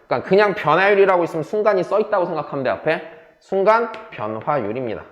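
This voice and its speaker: A man's voice: high-pitched, expressive, fast, reverberant, lo-fi sound. A man teaching a math class, switching between casual and polite speech and often checking whether students follow. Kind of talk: classroom lecture.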